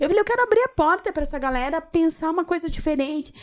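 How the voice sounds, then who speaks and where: Very wide pitch swings in a woman's speech amid noticeable background noise. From Foz do Iguaçu, Paraná, Brazil. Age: 40s. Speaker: events and marketing professional. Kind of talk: casual chat.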